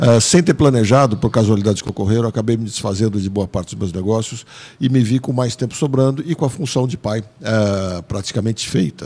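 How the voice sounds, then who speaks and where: Dark and mellow in tone, a man's medium-pitched voice moves at a fairly quick pace. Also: ordinary pitch variation. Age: 60s. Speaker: Senate candidate, airline pilot and farmer. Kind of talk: radio interview. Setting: studio.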